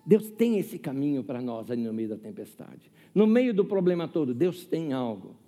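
A pastor in his fifties with a mid-range, warm voice preaches in a sing-song way at normal speed, with a long reverb tail. He's chatty and humorous, often quizzing the audience and sharing a personal story.

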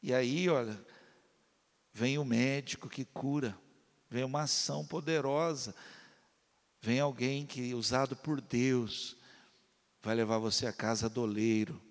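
A man preaching a sermon as a pastor, swinging between loud impassioned pleas and low quiet asides. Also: fairly even intonation, a little slow, pauses often, in a large hall.

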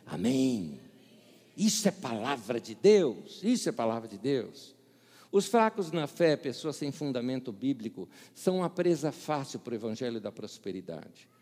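Middle-aged male pastor, lively high voice, storyteller who acts out dialogue, booming church hall. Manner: animated storyteller, acts out dialogue, laughs at own jokes. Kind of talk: sermon with humorous anecdotes.

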